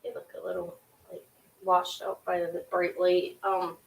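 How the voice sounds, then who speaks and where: A middle-aged woman sells jewelry in a casual live-stream auction, talking into her webcam from a small home room lined with shelves of jewelry displays. Her voice is sharp, high and creaky with little pitch movement, and the audio is poor. She chats with viewers quickly and scatteredly, full of ums and restarts.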